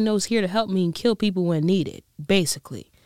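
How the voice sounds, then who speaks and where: The recording is very clean and the background silent. Speech proceeds at a moderate pace. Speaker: YouTuber / podcaster. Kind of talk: casual solo chat, TV recap. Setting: filmed on camera, indoor recording room. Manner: casual, laughs often, filler words; put-on British accent in parts.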